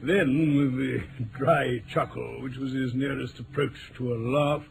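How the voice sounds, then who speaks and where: A genial English gentleman tells detective tales in an old radio play. He is a little hesitant and flustered, with a medium-pitched voice. The old recording carries a light layer of noise. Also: fairly even intonation, unhurried, creaky. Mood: genial storytelling. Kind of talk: vintage radio drama acting and narration.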